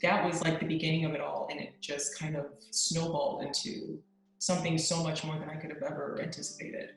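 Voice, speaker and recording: Low-voiced young woman in an echoey room. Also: little pitch movement, a little fast, gravelly, a crowd in the background. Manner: open, earnest, lots of likes and ums. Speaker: guest. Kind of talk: casual interview talk. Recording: very echoey remote audio.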